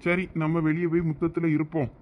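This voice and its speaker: Brief: performer doing a playful young village man, Thoothukudi Tamil accent, mid-pitched, friendly teasing. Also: little pitch movement, fast, muffled recording, slight background noise, natural voice.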